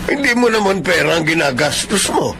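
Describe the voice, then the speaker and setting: An actor with a Filipino accent playing a gentle, pleading older disabled father in a radio drama. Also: on the high side, sing-song, fairly quick. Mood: reproachful. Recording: noisy radio drama recording.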